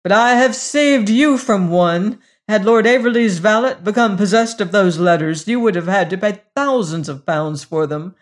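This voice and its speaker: A proud young gypsy woman of the slums, as a woman narrator plays her in a storybook reading. She speaks gravely and curtly, keeping herself in check with noble scorn. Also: fairly low pitch, a little slow, natural voice. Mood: wrathful, proud. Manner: curt, grave, self-controlled.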